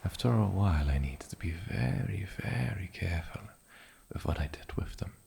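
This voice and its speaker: A man playing an ancient, lonely and possessive island demon in a soft-spoken ASMR fantasy roleplay, breathy and often slipping into whispers, with a halting, sinisterly polite menace. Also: sits low, expressive, full character voice. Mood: brooding, ominous.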